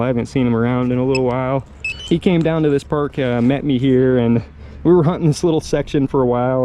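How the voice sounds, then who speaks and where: Mellow, laid-back man vlogging outdoors. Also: mid-range voice, highs cut off. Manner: laid-back, slangy, musing. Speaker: host of a metal detecting channel. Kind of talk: casual outdoor vlog chat, thinking aloud while searching. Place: outdoors in a park. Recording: outdoor park ambience with clear background noise. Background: park ambience.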